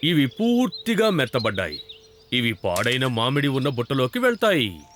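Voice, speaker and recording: A man playing a kindly, patient father in a children's cartoon, speaking in an instructive, deliberate way. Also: mid-range voice, very animated, lightly acted. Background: prominent music.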